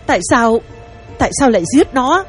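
A worried older wife. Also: male voice, very high voice, lively intonation, normal speed, soft background music, voice pushed up. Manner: worried, calling out, stammering. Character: anxious older wife searching for her husband.

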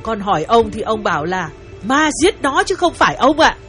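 A man's voice: sits high, sing-song, normal speed, pushed and bright, faint music behind, voice pushed up, heavily acted. A man doing a timid young servant girl. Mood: deferential. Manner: polite, hesitant, fretful. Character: young deferential female household servant.

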